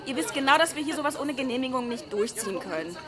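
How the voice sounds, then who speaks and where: An actress playing a young woman who leads an eco summer camp, brisk and bossy, in a naturalistic radio crime drama. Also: high voice, expressive. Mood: brisk, exasperated. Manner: firm calls to herd kids, hesitant when put on the spot. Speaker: camp leader. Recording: roomy sound, music and group chatter behind.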